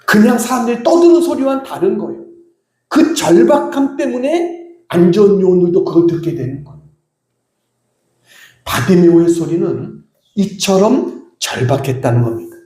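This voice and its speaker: A man's voice: high voice, lively intonation, moderate pace, mellow, roomy sound. A male pastor giving an earnest sermon, raising his voice as he repeats cries for mercy. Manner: earnest preaching, quoting cries with rising emphasis.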